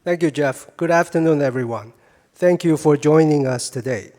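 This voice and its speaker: A man reads a scripted financial presentation as a stiff, formal, measured executive. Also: on the high side, a little mellow. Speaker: chief financial officer presenting results. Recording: hall reverb from a conference room.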